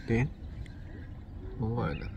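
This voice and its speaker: A man's voice: moderate pace, a little mellow, slight background noise. Man teasing and asking questions outdoors. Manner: chimes in with short questions and teasing remarks. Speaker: vlogger, co-host. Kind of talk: casual chat. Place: outdoors at sunset.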